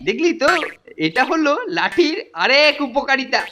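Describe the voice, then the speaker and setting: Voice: sits high, lively intonation, normal speed, pushed and bright, slight background noise. A performer voicing a boastful, teasing teenage senior schoolboy bully in a Bengali cartoon. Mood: taunting. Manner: taunting, boastful. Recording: music behind the voice.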